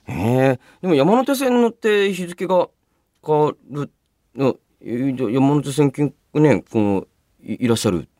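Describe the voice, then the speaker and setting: A man hosting a radio show, chatting and reading listener mail in a polite, expressive manner. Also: medium pitch, moderate pace, dry recording, studio quality. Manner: polite, expressive, often breaking into laughter. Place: radio studio. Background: background music.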